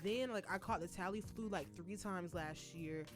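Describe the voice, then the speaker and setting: A young woman co-hosting a casual college radio chat, animated and quick to laugh, full of slang. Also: on the low side, music in the background. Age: young adult. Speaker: co-host. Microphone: studio mic.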